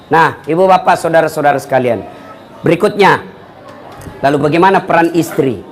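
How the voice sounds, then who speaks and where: A man preaching a humorous sermon, telling anecdotes and acting out the voices of people in them. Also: very high voice.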